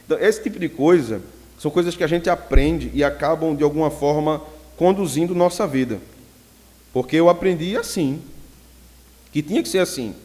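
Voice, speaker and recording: A man preaching as a pastor, teaching and telling jokey stories from his own life. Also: on the high side. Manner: lively storyteller who jokes with the audience. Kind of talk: teaching sermon with personal anecdotes. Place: church hall. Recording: long reverb of a church hall.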